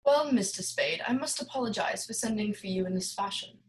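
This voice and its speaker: A woman's voice: mid-range voice, expressive, fairly quick, soft background music, close to an everyday voice, low-quality recording. A woman playing a courtly, greedy and obsessive middle-aged crime boss in a noir radio play, speaking in a formal, grandiose way. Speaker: voice actor. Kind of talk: 1940s film noir radio acting.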